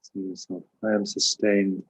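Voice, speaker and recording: Low, husky man guiding a meditation. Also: poor audio. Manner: calm, measured instruction with pauses. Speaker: meditation teacher and host. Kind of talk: guided meditation with spiritual teaching.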